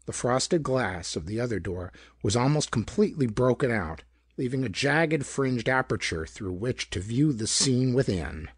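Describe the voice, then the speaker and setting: Husky, expressive male audiobook narrator. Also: mid-range voice, normal speed, no echo, studio quality. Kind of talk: scripted narration of a pulp detective story.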